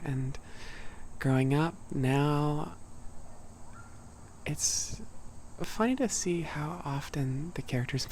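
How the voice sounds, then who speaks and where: A young man voicing a sweet, shy giant cat boy in a soft, near-whispered ASMR roleplay, chatting gently and hesitantly to a small friend. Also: medium pitch, gravelly, slight background noise. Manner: gentle, hesitant, rambling, apologetic. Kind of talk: ASMR roleplay, casual chat to listener.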